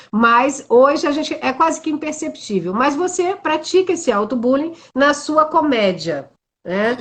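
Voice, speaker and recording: Here a woman speaks with lively intonation. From Paraná, Brazil. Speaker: interview show host. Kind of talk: interview.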